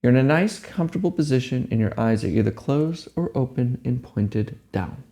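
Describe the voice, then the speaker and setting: A man leading a guided meditation, giving gentle, unhurried instructions. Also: medium pitch, animated.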